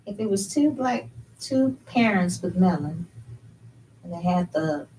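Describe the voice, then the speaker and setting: Woman panelist, mellow and conversational, heard from a distance over faint hiss. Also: fairly low pitch, lively intonation, measured pace. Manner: conversational, pushes back with questions. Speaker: panel member. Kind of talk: panel discussion. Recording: distant mic with faint background noise.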